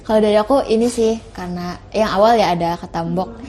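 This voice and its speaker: A young woman, a university student, chats casually as a podcast guest and laughs her way through her stories. Her mid-range voice is a little fast with a dark tone, and the recording carries a slight hiss or hum.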